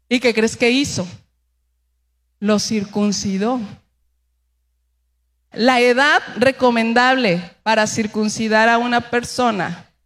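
A woman pastor preaching a lively sermon, asking the congregation questions and acting out the voices she quotes. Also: a little high.

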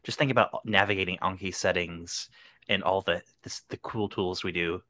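A man hosting a podcast, asking his guest relaxed, probing questions. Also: deep voice, moderate pace. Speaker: podcast host. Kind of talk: casual interview.

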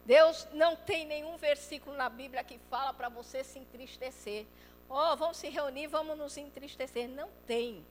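A high-pitched woman delivers a lively sermon. She acts out quoted voices and swings from loud to hushed. The recording has a long hall reverb with a faint hum behind. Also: moderate pace. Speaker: preacher.

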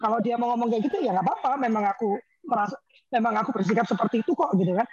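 A woman host with a high, husky voice, asking questions in a casual chat. She hesitates often with fillers, and her audio sounds dull and lo-fi. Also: racing, darkish tone, no room sound. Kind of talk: casual conversation.

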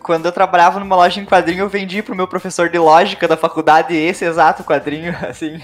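A woman's voice: fairly low pitch, flat delivery, fast, faint music behind. A woman with a Brazilian accent, interviewing in an informal, slangy, chatty way. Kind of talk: casual chat interview.

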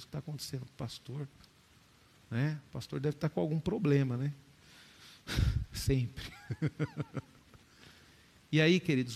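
A male preacher telling a testimony in a sermon, addressing the congregation as dear ones and building to emphatic peaks. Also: gravelly. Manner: storytelling, addresses the listeners as "dear ones" again and again; rises to high, loud emphatic peaks in his preaching.

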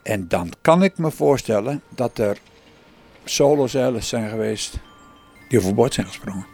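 A man who sailed alone, speaking slowly and thoughtfully with pauses in a reflective documentary interview. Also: mid-range voice, expressive, darkish tone, soft background music. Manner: slow, thoughtful, with pauses and hesitations. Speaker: solo sailor.

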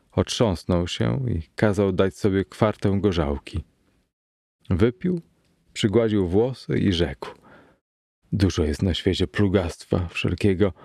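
A man narrating an audiobook in a measured, deliberate storytelling manner. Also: sits low, creaky, dark tone, no echo, studio quality.

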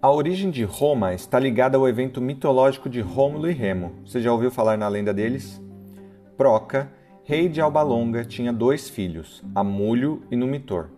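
A man narrates a legend from a script in a mid-pitched, steady voice. His delivery is even and measured, in the manner of a storyteller. Soft plucked guitar plays faintly behind him. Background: soft guitar music.

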